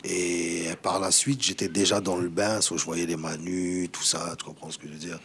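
A man's voice: low-pitched, level tone, normal speed, a bit bright, slight background noise. A man talking as a rapper guest in a casual interview. He is laid-back, keeps asking "you know what I mean" and slips into English.

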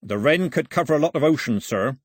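A plain-spoken sea captain from a seafaring tale, acted by a male narrator. He is wary and dryly respectful, with blunt sailor's talk. The voice is husky, lifted in pitch and recorded very dry. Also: animated, a little fast, dry recording. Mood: grave, practical. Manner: blunt, folksy, nautical talk.

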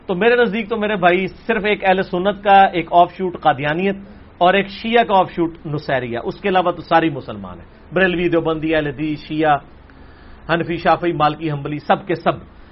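Answering questions in a religious lecture, this high-voiced man is animated and forceful, raising his volume on points he stresses and dropping low for asides. The audio is lo-fi and dull.

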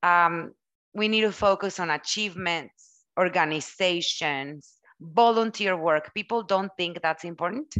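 A woman's voice: fairly low pitch, a little slow, fairly bright tone, no echo. A woman from Mexico with a Mexican Spanish accent, a native Spanish speaker, giving earnest, explanatory interview answers as an HR recruiter. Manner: earnest, explanatory, lists examples. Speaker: guest HR professional and recruiter.

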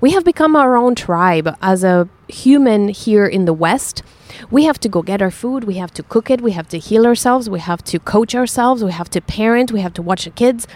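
Woman guest w a slight foreign accent, earnest, upbeat, middle of the road pitch. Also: lively intonation, normal speed, a little mellow, no room sound. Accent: slight foreign accent from several languages. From Switzerland and Colombia. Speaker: guest, entrepreneur. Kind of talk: casual interview talk.

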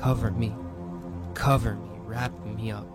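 A man voicing a terrified, gasping grown man in shock, raspy and repeating himself in panic. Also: lowish voice, little pitch movement, measured pace, lightly acted. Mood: panicked. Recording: background music under the voice.

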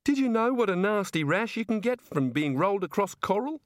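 A man reading an audiobook who voices a polite, ordinary young woman, high-pitched, earnest and tearful. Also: very animated, fairly quick, no room sound, studio quality. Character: plain polite young woman, weepy and apologetic.

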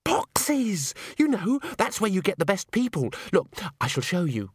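Man putting on a giddy, high-pitched young stage ingénue. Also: huge pitch swings, a little slow, husky, dry recording, studio quality, full character voice. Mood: gushing, grand. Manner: trilling, gushing, theatrical. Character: giddy, breathless young female stage singer, grandly romantic.

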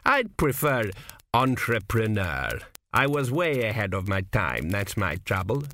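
A man voicing a cynical, crude old ancestor ghost, a former swindler, with a slow, gruff drawl in an audiobook. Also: on the low side, very animated, sharp tone, exaggerated voice. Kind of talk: audiobook character voice.

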